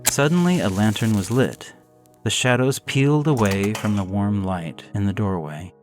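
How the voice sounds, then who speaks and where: A man narrating a first-person gothic horror story in a measured, solemn way, faint music underneath. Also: fairly low pitch.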